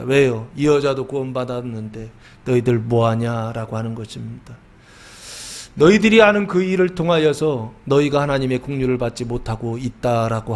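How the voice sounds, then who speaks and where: A middle-aged male pastor preaching a sermon, asking the congregation questions and answering them himself, slowing down to stress words and sometimes shouting. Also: high-pitched. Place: church sanctuary.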